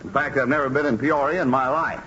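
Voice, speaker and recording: An actor playing a sheepish, smooth-talking male houseguest in a 1940s radio comedy, frank once caught out, on a dull old broadcast recording. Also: mid-range voice, fairly even intonation, fast, sharp tone, close to an everyday voice.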